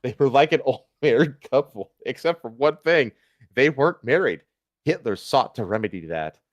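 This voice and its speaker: A man reads a story aloud to a live stream as an amused storyteller. His pitch sits in the middle of the male range, and the sound is very dry with no room echo. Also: lively intonation, normal speed, muffled recording. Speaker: streamer reading fan fiction aloud. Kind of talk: live comedic dramatic reading.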